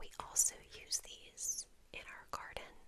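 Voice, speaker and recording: A woman is whispering. Her pace is very slow. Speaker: ASMR creator; backyard chicken keeper. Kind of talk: ASMR whisper talk to camera. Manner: whispered.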